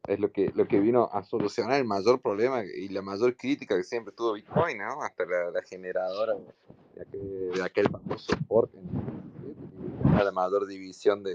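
A man's voice: fairly low pitch, darkish tone, a little hiss or hum. A man on an online call whose muffled audio keeps cutting out. He talks with hesitations and repeated words, often adding "¿no?". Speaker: panel guest in an online call. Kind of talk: casual discussion. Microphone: finger over a call microphone.

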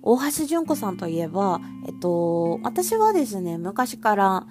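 A woman's voice: mid-range voice, very animated, a little slow, over music. A woman hosting her own podcast, rambling casually with plenty of fillers. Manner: chatty, rambling with many fillers. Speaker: podcast host. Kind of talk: casual solo podcast talk.

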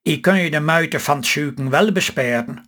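A man with a Stellingwerfs accent voicing a gruff, doubtful older farmer in a read-aloud story. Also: a little high, normal speed, fairly bright tone. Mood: grumbling. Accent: Stellingwerfs Low Saxon. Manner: grumbling, doubtful.

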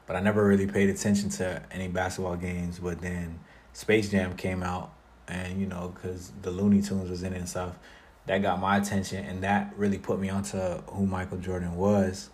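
A young man from South Florida, a guest music artist talking about his life in a relaxed interview, with many fillers. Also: deep voice, normal speed. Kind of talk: casual interview conversation.

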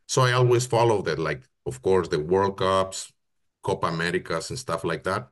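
A low-voiced man from Mexico, a football operations project manager, answers casual interview questions as a guest. His delivery is halting and thoughtful, full of pauses and restarts as he searches for words.

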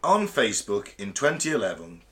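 A man's voice: lowish voice, fairly quick. A British man co-hosting a podcast, chatting casually and comically, swearing and laughing while reading out news stories. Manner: animated, sweary, laughs often, reads news aloud. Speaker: podcast co-host. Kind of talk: casual comedic chat.

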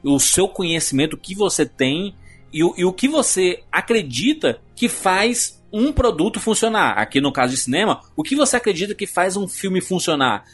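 A man with a Brazilian accent co-hosting a podcast about film, talking in an animated, opinionated way with frequent restarts. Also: high-pitched, moderate pace, breathy edge, faint music behind. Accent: Brazilian Portuguese. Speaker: podcast co-host. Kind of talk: casual film discussion.

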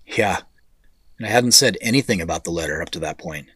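A man's voice: low voice, lively intonation, a little fast, a bit bright, breathy edge, dry recording, heavily acted. A man playing a wry, thoughtful tech executive in an audio drama, speaking in an understated, conversational way. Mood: pensive. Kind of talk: naturalistic audio drama dialogue.

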